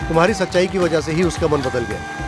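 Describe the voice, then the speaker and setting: A man's voice: on the high side, lively intonation, quick pace, loud music behind the voice, natural voice. A man dubbing a police officer who calls out to his friend with strong emotion. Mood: stern to jubilant. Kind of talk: Hindi film dub. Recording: loud film score under the voice.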